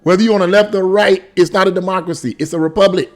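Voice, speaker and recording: A man with a fairly high voice commenting off the cuff on political news. He is opinionated and exasperated, stammers into restarts and hammers his points by repeating them. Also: fairly even intonation, quick pace. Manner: exasperated, opinionated, repeating words and phrases for emphasis. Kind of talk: unscripted commentary on a news article.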